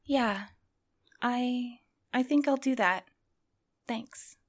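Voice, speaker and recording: A woman's voice: on the high side, drawn-out words. A woman playing an anxious, determined, exhausted courier in an audio drama, earnest and strained. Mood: subdued. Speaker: actor in a fiction podcast. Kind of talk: naturalistic audio drama acting.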